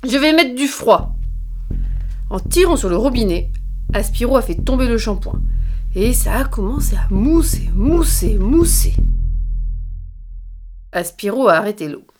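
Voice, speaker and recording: A mother reading a children's bedtime story aloud into a phone, in a lively, sing-song storytelling manner. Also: a little high, normal speed, pauses often, soft background music.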